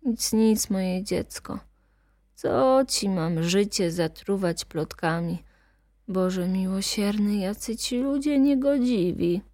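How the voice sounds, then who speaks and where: A woman voicing an elderly, frightened mother who speaks in a hushed, pleading way. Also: mid-range voice, slow pace, dry recording, clean studio sound, natural voice. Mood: tearful.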